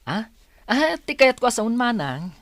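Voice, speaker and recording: A woman's voice: fairly high pitch, very animated, unhurried, dry recording. A woman voicing a playful, teasing younger sister in an audio drama.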